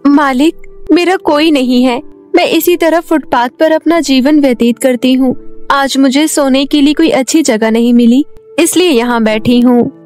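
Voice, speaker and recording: A meek young beggar. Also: female voice, high voice, unhurried, darkish tone, faint music behind. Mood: humble. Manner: humble, pleading.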